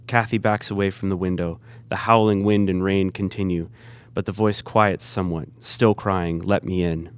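A man's voice: low voice, fairly even intonation, moderate pace, hardly any pauses, clean tone, no echo. A man giving scripted narration, reading the stage directions of a play.

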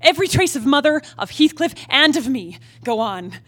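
A woman's voice: high voice, expressive, moderate pace, a bit bright, no room sound. A woman acting a restless, defiant young wife in a dramatic stage play reading, yearning and impassioned. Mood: agitated, defiant. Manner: theatrical, impassioned soliloquy. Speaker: playwright reading her own play.

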